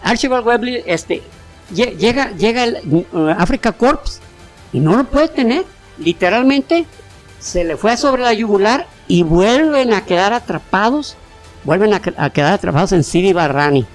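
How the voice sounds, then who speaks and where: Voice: medium pitch, moderate pace, soft background music. A podcast co-host with a Mexican Spanish accent who tells history casually, with lots of slang, restarts and fillers. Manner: animated, rambling, slangy with many restarts and fillers.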